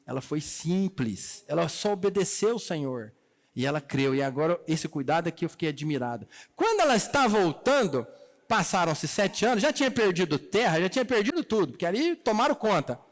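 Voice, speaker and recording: Male preacher, Brazilian accent, bright high voice, folksy storytelling sermon, long hall reverb. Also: big pitch swings, a little fast. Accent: Brazilian Portuguese. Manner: colloquial storytelling, acting out the characters' lines. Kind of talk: sermon retelling a Bible story. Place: church hall.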